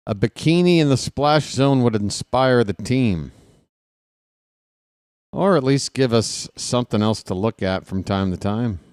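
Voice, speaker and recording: A fan play-by-play broadcaster in his late forties calls a baseball game live and casually, mixing calls with wry, sarcastic asides and grumbling, and getting loud and animated when he rants. His medium-pitched voice is unhurried and clean, with no room sound.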